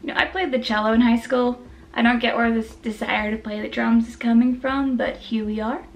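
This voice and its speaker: A woman's voice: a little high, steady tone, brisk. A woman hosting a mukbang, chatting casually about desserts while chewing and tasting. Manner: chatty and self-deprecating, talks while chewing. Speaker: food vlogger.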